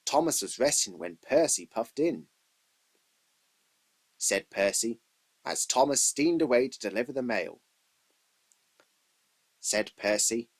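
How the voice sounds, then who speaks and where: Husky male storybook narrator. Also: on the low side. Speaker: narrator of a children's train story. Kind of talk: scripted storybook narration, read in takes.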